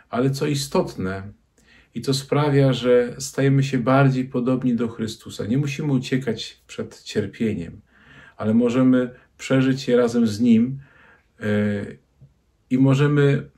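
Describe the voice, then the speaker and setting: Man, 40s, priest; unhurried, reflective homily to camera in a small room. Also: mid-range voice. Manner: slow, reflective, with soft hand gestures. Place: small room with a crucifix and bookshelves, indoors. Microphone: camera at close range.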